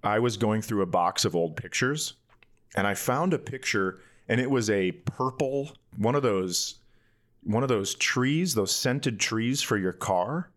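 A man's voice: lowish voice, lively intonation, measured pace, a bit bright. A middle-aged man, a comedian and podcast co-host, telling casual comic stories in a candid, self-deprecating way.

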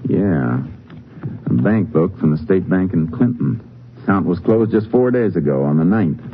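An actor playing a steady Texas Ranger in a 1950s radio drama, terse and methodical, narrating and questioning in a matter-of-fact way. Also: male voice, low-pitched, normal speed, slight background noise. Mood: intent. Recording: dull old 1950s radio recording, music.

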